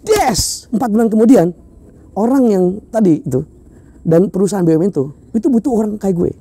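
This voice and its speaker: A man telling stories in a casual business chat, animated and slangy. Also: high voice, fast, slightly rough, no echo. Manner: animated storytelling, slangy, with laughs. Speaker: business talk show co-host.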